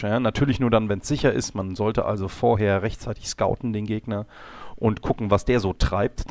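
A slightly hoarse man with a lowish voice talks through a game replay as a coach, calm and explanatory. He stops on fillers now and then and corrects his own words. The sound is close and dry. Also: no echo. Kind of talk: instructional commentary over a game replay.

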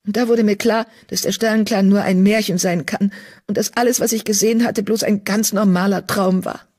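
A woman's voice: steady tone, a little fast, darkish tone, close to an everyday voice. A woman voicing an anxious, guilt-ridden young female medicine cat in an audiobook, pleading and distressed. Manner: pleading, distressed, voice raised high. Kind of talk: audiobook character voice.

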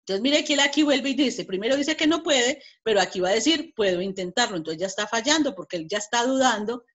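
A woman's voice: fairly high pitch, expressive, fast talker. A woman with a Colombian Spanish accent teaching an online class, explaining step by step with frequent restarts and repeated words. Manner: reads example dialogues aloud with emphasis.

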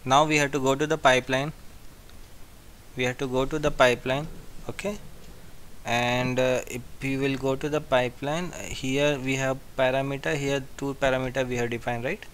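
A man giving a step-by-step software tutorial as an instructor, repeating his phrases as he goes. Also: medium pitch, slight background noise. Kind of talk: screen-share software tutorial.

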